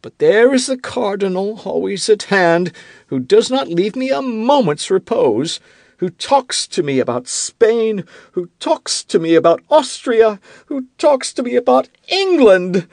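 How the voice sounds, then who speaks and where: A man voicing a fretful, self-pitying king who turns irritable and accusing, with a high, whiny, petulant voice in an audiobook. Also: very animated, a little slow, vocal fry, darkish tone, no room sound, studio quality, full character voice. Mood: complaining. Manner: rising into indignant outbursts. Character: fretful, self-pitying middle-aged king, quick to anger. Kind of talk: audiobook character reading.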